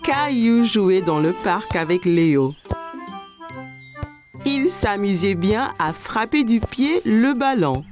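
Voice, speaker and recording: A woman reading scripted narration for a children's story, telling it clearly for young listeners. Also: mid-range voice, lively intonation, slow pace, a little mellow, faint music behind.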